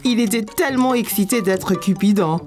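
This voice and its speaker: A woman's voice: medium pitch, normal speed, natural voice. A woman playing a kindly storyteller and teacher in a French-dubbed children's cartoon, over music. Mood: gentle storytelling. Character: kindly storytelling woman narrator, also voicing preschool teacher. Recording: light music behind the voice.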